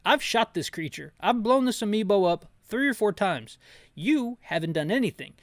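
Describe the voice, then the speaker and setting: A man's voice: sits high, expressive, moderate pace, no echo, studio quality. A man giving casual, rambling gameplay commentary with sarcastic, nitpicking asides. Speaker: video game playthrough host and narrator.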